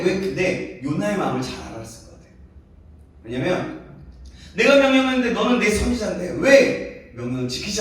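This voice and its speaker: Lively preaching man in an echoey hall. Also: high voice, distant mic. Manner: lively, conversational preaching with questions to the congregation. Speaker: pastor. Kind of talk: sermon. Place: church sanctuary.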